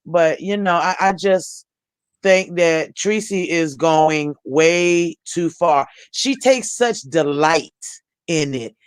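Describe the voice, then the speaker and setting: A woman's voice: sits low, slow pace, smooth, dry recording. An American woman hosting a live chat, speaking casually in an earnest, conciliatory way. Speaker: host of a live panel chat.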